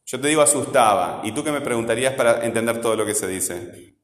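A man teaching a grammar lesson one-on-one, repeating words slowly syllable by syllable and asking guiding questions. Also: medium pitch, animated, echoey room, big-room sound. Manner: asks frequent guiding questions with "¿verdad?".

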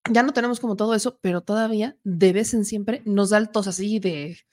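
A Mexican woman in her thirties hosts a casual political talk show. She chats and jokes, throws asides to her producer, and sounds a little worn from an allergy cough. Her pitch sits in the middle range. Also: fairly quick, a little mellow. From Puebla, Mexico. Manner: chatty and joking, with asides to the producer. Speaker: political commentary host.

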